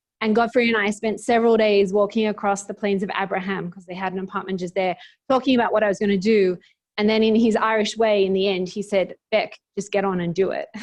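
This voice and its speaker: A woman with an Australian accent, medium pitch, monotone and flat intonation, and a very fast pace. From Australia, Sydney. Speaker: scientist. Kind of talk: lecture.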